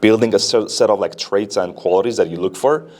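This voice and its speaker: A man in his twenties, raised in Iran, speaks in a low voice with a slight Iranian Armenian accent. He talks easygoingly as a podcast guest and leans on casual fillers. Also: a little fast, a little mellow. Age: 20s.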